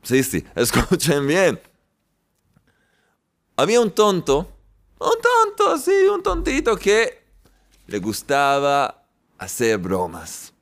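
Male spiritual teacher, unhurried and resonant, repetitive and jovial. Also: fairly high pitch, huge pitch swings. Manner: warm-hearted, repetitive, chuckling often. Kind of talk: sermon-like talk with jokes.

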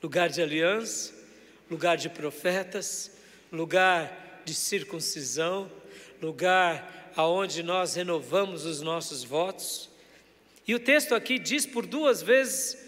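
A man's voice: high voice, fairly bright tone. A male pastor preaching a sermon to his congregation, emphatic, drawing out key words and putting questions to the listeners. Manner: addresses congregation directly with questions. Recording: church hall reverb.

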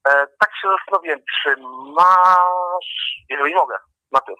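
A man's voice: high-pitched, a little slow, pushed and bright, dry recording. A man calling in to a radio show over a phone line, talking in a hesitant, rambling way. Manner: hesitant, rambling, restarts often. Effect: heard over a phone line. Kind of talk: casual call-in chat. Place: lives and works in England.

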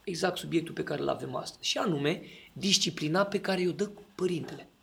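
A man's voice: fairly high pitch, creaky, a bit bright. A man in casual podcast talk, explaining his ideas and often checking that the listener agrees.

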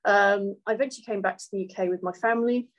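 A woman's voice: mid-range voice, fairly even intonation, fast, muffled recording. Woman, middle-aged, from Hong Kong, interview guest, hesitant and thoughtful. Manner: thoughtful, many ums and uhs. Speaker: guest, hotel valuation executive. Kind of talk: casual interview.

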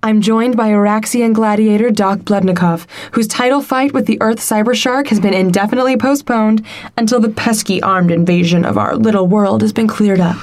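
A woman's voice: medium pitch, normal speed, a little mellow, natural voice. A woman voicing a brassy female sex-advice radio host on a space station, speaking in polished, sassy on-air patter in a comedy audio drama.

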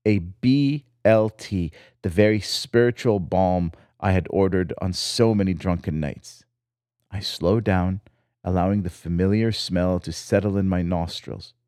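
The host is a man from Israel whose low, darkish voice reads a scripted personal essay, reflective in content and delivered with wry, lyrical storytelling. It is studio-quality audio with no echo.

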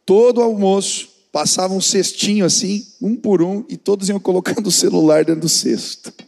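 Pastor guy preaching casually, higher voice, big hall echo. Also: normal speed, gravelly. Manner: warm, conversational preaching with family anecdotes. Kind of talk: sermon. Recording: church hall reverb.

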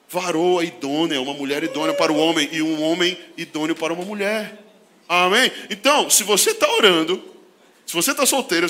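A pastor from Brazil with a high, very bright and ringing voice preaches to his congregation. He moves between shouted emphasis and quiet, intimate asides, laughing often as he goes. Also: slight background noise. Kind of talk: sermon.

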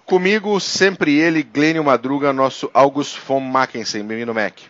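A man's voice: medium pitch, moderate pace, a bit bright, no echo. Male podcast host, Brazilian, conversational presenter delivery, very dry and slightly muffled sound. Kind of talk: podcast introduction and casual talk.

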